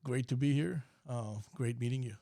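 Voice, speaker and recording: Mellow-voiced man telling stories. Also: medium pitch, normal speed, gravelly. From California. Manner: rambling storytelling with many fillers. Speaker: guest, company president. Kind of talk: podcast interview.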